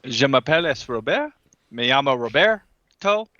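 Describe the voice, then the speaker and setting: A man's voice: medium pitch, big pitch swings, normal speed, pushed and bright, no echo. A man joking in a self-deprecating way as a podcast player, on a slightly dull microphone.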